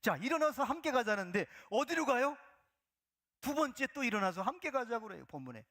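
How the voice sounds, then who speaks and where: A male pastor gives a Sunday sermon in a church sanctuary. His voice sits high and rings bright as he preaches emphatically. He falls to hushed whispers when quoting. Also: big pitch swings, a little fast.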